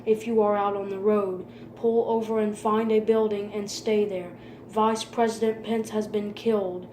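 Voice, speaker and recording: A woman reads a scripted emergency broadcast announcement in a formal, impersonal, flat manner. Her voice is medium-pitched and moderately paced, recorded with a roomy echo and faint background noise.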